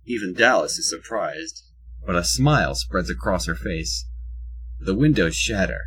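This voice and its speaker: A man with a husky voice reading scripted audio drama narration, with wry asides. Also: low-pitched, expressive, measured pace, fairly bright tone, a little hiss or hum, low-quality recording.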